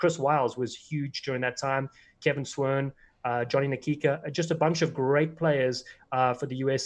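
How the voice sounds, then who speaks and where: Over a quiet background, someone with a South African accent talks very fast with fairly even intonation. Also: man. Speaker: rugby commentator and former player. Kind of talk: interview conversation. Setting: live stream video call.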